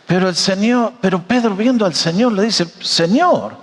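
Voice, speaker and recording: A man preaching a sermon, animated and joking, often asking his audience questions. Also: high voice, a little fast, in a large hall. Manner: animated, jokey storyteller, asks the audience questions.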